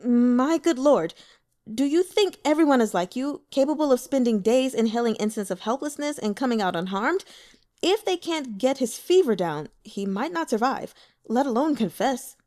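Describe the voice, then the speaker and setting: A woman voicing an earnest, anxious young male subordinate who speaks in a hurried, pleading way. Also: high-pitched, lively intonation, darkish tone.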